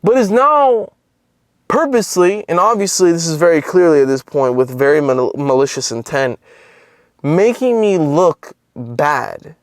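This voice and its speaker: A man's voice: fairly high pitch, expressive, measured pace, no room sound, clean studio sound. A young man who makes online content telling a personal story in a casual, rambling way, swearing often and leaning on filler words. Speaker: content creator.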